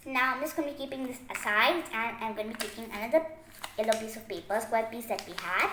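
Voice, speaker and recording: A woman hosting a craft tutorial, giving step-by-step instructions in a chatty, repetitive teaching manner. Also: on the high side. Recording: echoey room, faint noise, clicks.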